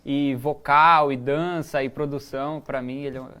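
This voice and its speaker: A man co-presenting a newsroom talk show, relaxed and chatty, often pausing with fillers and restarting his sentences. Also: medium pitch, smooth. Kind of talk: casual news chat.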